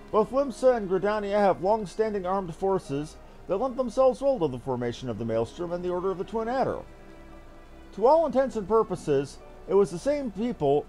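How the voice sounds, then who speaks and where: A man's voice: high voice, warm tone. A man voicing a dutiful military captain who reports in formal, archaic words. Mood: earnest, explaining. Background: game music.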